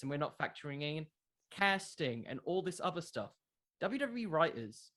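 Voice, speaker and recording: A man's voice: a little high, fairly bright tone. A man speaking as a podcast creator in a casual interview, conversational and emphatic, with a self-deprecating way of talking.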